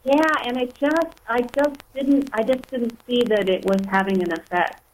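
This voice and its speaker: A woman's voice: fairly high pitch, lively intonation, moderate pace, a little hiss or hum, low-quality recording. Hesitant woman guest on a radio show. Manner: hesitant, restarts sentences often. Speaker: author and writing instructor, guest. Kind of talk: casual radio interview talk. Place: radio studio.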